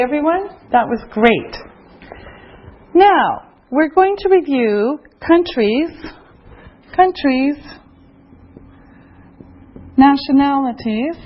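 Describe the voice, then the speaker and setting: Slow, high-voiced woman teacher. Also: lo-fi sound, a little hiss or hum. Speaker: English teacher. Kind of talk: slow classroom instruction.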